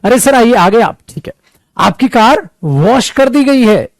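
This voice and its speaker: A man's voice: very high-pitched, lively intonation, a little slow, dry recording, voice pushed up, exaggerated voice. A man playing a polite Indian English shopkeeper. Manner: courteous, repeats "sir". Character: polite eager male shopkeeper at a car wash.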